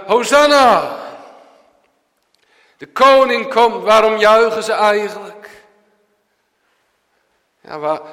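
Brief: male preacher, sermon delivery, high voice, slow and deliberate, rhetorical questions, big hall reverb. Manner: rhetorical questions, swings between loud and hushed.

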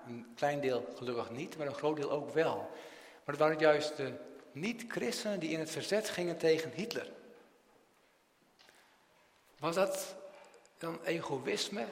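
A man with a slightly raised voice delivers a catechism sermon, putting rhetorical questions to his listeners and tagging many sentences with a little "hè". His loudness rises and drops sharply from line to line. The sound carries a roomy church echo with a long tail. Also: a little high. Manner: rhetorical questions, frequent tag "hè", strong swings in loudness. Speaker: preacher.

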